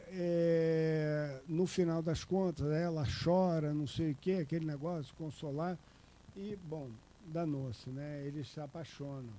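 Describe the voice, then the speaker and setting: A middle-aged Brazilian man speaks into a table microphone in a lecture hall, his voice mellow and fairly high for a man. He rambles in a casual, digressive way, leaning on fillers and tag questions. A faint hiss sits under the talk. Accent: Brazilian Portuguese. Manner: chatty, digressive, many fillers and tag questions, gestures broadly. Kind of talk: informal public lecture. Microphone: table microphone on a stand.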